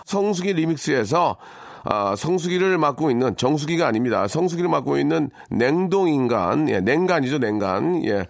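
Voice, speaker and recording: A man's voice: a little high, animated, moderate pace, vocal fry, no room sound, studio quality. A man in his forties hosting a radio show, teasing his guests in playful, chatty banter. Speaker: radio host.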